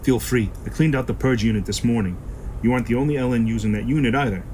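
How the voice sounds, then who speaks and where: Sci-fi audio drama: sly, swearing, sarcastic black-market shopkeeper male actor, mid-pitched, clear background noise. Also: fast talker, dark tone, close to an everyday voice. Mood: businesslike. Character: foul-mouthed, sly black-market shop boss, grimly pragmatic. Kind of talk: science-fiction audio drama acting.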